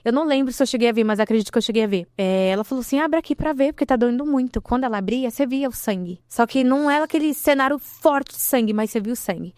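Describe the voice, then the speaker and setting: Fast-talking woman telling her testimony. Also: on the high side, dry recording, clean studio sound. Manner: animated storytelling, acting out quoted dialogue. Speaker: guest giving a testimony. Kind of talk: emotional personal testimony.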